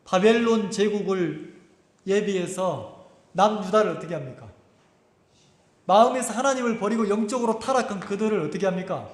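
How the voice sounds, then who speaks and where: Male pastor preaching, high voice, keeps asking the congregation questions, big roomy church echo. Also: moderate pace. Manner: asks the congregation many questions, stretches words out for emphasis. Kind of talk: sermon. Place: church sanctuary. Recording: echoey hall reverb.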